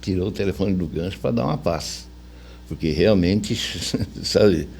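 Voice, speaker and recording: Older Brazilian man, low-pitched storyteller. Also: a little slow, creaky, darkish tone, slight background noise. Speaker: interview guest, veteran radio journalist. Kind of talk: casual anecdotal storytelling.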